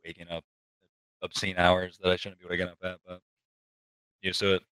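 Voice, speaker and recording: A man in his twenties, a pro gamer guest, telling stories in a relaxed, low-key way with lots of fillers. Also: normal speed, clear, resonant tone, no room sound, rough recording. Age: 20s. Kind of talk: casual interview storytelling.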